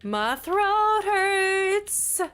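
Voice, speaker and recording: A woman's voice: very high-pitched, sing-song, extremely slow, fairly bright tone, faint music behind. A woman chatting casually on a live stream, giggly and talkative as she greets and answers her chat.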